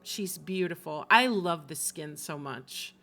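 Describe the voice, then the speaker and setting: Bright-voiced woman streamer, unhurried. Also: sits low. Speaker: game streamer. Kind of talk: casual livestream chat about games.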